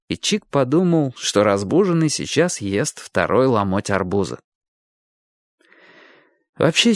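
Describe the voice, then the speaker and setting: A man reads a literary story aloud with a lively, swinging intonation that rises and falls through each sentence. His middle-pitched voice sits close to the mic. The sound is dry, with no room around it. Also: no echo. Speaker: audiobook narrator. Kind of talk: scripted literary narration.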